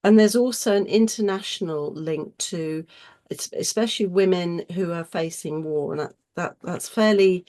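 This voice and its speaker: A woman chairing an online session in a chatty, effusive way, her voice husky from a cold. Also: lowish voice, moderate pace, mellow. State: getting over a cold. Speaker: host chairing an online webinar. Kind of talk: informal presenter's welcome and introductions.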